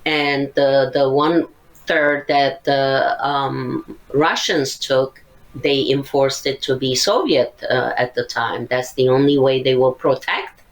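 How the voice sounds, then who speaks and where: A woman's voice: extremely low pitch, takes it slowly, rough recording. An older woman psychotherapist, earnestly explaining kinds of trauma step by step in a podcast interview. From Syria. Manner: earnest, explanatory, lists points methodically. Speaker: psychotherapist guest.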